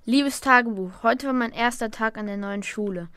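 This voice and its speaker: A woman's voice: on the high side, normal speed, a bit bright, a little hiss or hum, lightly acted. A woman playing a bullied Jewish schoolboy, hurt and pleading, in an amateur audio drama. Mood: troubled, confiding.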